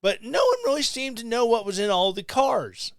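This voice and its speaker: Middle-aged guy ranting on his podcast, sarcastic, smooth voice, dry close mic at home. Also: very high-pitched, expressive, moderate pace, dry recording. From Missouri, USA. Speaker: podcast host. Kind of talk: opinion commentary. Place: small home room. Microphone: studio mic on stand, close.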